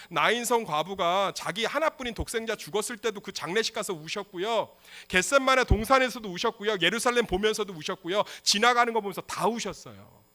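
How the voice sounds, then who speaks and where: A male pastor delivers a passionate sermon in a bright, lively voice. He moves between hushed, quiet lines and loud outbursts. His pitch rises and falls a lot.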